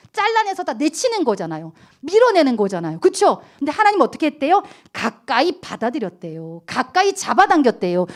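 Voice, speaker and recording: Animated woman preaching to teenagers. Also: high-pitched. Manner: animated storytelling, acting out scolding quotes, frequent questions to the audience. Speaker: youth pastor. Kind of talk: lively sermon to teenagers.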